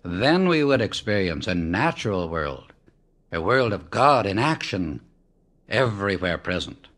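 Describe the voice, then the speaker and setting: A man reading a spiritual book aloud as an audiobook narrator, in a measured, emphatic way that slows down on key words. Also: sits low, very animated, fairly bright tone. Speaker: audiobook reader. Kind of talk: solemn scripted reading of spiritual teachings.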